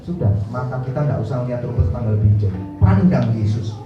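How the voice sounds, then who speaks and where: A man preaching a sermon to a congregation, lively and direct, sometimes acting out quoted voices. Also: medium pitch, fast talker, muffled recording. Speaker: pastor. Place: church hall. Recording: roomy church hall from a distance with music.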